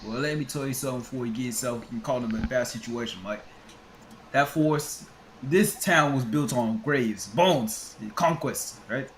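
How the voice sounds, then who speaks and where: A grumpy old merchant, tired of life but still doing the job, as a man puts him on. He sounds gruff and rough-edged, and his accent wanders from line to line. He is louder and a touch higher than the man's own voice. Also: normal speed, slight background noise, lightly acted. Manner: gruff, keeps switching put-on accents. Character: gruff weary older male merchant, grumpy.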